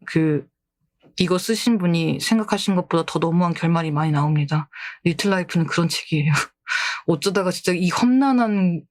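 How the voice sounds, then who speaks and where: A book-themed woman VTuber chats on a livestream, reading out viewer posts in a casual, polite, giggly way. Her voice is on the low side and unhurried, with frequent pauses, and the recording is dry.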